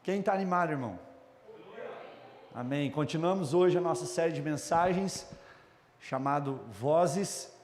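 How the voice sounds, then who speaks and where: A man's voice: fairly high pitch, measured pace, pauses often, darkish tone, a little hiss or hum. A man with a Brazilian Portuguese accent preaching a sermon as a pastor, speaking straight to his congregation and to viewers at home. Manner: addresses congregation and online viewers directly, prays aloud. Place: church hall. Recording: long hall reverb.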